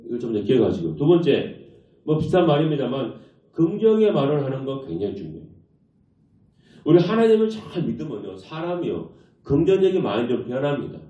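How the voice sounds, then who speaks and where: A man's voice: medium pitch, brisk. Male pastor, sermon, rhetorical questions, distant mic, dull lo-fi sound. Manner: animated preaching, rhetorical questions to the congregation. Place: church sanctuary. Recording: echoey church hall, distant mic, dull lo-fi.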